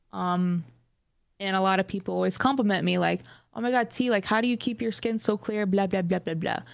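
A woman with an American accent talks at a fairly quick pace, with medium pitch and ordinary pitch variation. It is an ordinary speaking voice, in a very clean recording with a silent background. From Arizona, Phoenix. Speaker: Twitch streamer and gaming content creator. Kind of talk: casual interview chat.

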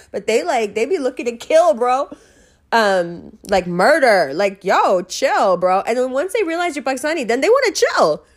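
Animated in tone, a woman with a New York accent speaks at a high pitch, with very wide pitch swings. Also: moderate pace. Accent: New York American. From New York, US. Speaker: podcast host. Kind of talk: casual monologue, solo podcast. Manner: animated, casual, profane.

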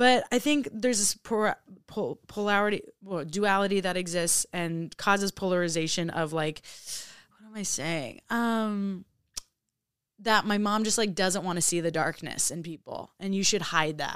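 A woman talks in an ordinary speaking voice at a moderate pace and medium pitch, with ordinary pitch variation. There are big swings in loudness, and the recording is very clean with a silent background. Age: 30s. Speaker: comedian. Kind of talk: casual chat.

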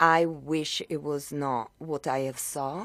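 In an Italian accent, the speaker goes at a very slow pace on a very clean recording with a silent background. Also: woman. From Italy. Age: 40s. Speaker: housewife and mother. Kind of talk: casual interview.

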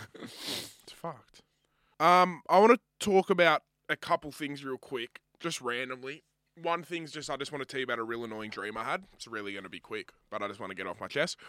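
A man with an Australian accent talks at a fairly quick pace and medium pitch, his bright, sharp tone carrying lively intonation and big swings in loudness, in a dry, close sound with no echo. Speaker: podcast co-host. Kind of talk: casual chat.

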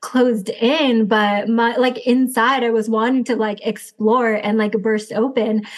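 A woman speaks with a Californian accent. Her pitch is fairly high. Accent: Californian American. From Los Angeles, US. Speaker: reality TV contestant. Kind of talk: casual interview.

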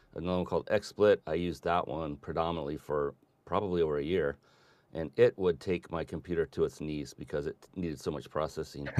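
Against a quiet background, a man with a very deep, low pitch talks at a fairly quick pace with fairly even intonation, the sound dry and close with no echo. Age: 50s. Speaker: entrepreneur and author. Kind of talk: interview. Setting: remote call.

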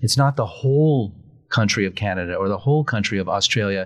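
Against a quiet background, a man with a somewhat breathy voice speaks fairly quickly at medium pitch, with ordinary pitch variation. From California, Ventura County. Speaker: newsletter editor and journalist. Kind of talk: interview.

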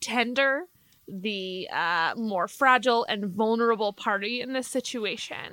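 In a dry, close sound with no echo, a woman with an American accent speaks at a very slow pace with a bright, sharp tone. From New Jersey and Colorado. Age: 20s. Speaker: podcast co-host. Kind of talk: casual conversation about faith and attachment. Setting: remote recording with home mic setup.

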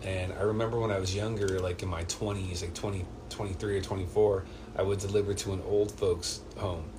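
A man speaks in a monotone with flat intonation. Audible room echo and noticeable background noise surround him. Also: fairly low pitch for a man, moderate pace. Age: 40s. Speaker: podcast host. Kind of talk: casual chat.

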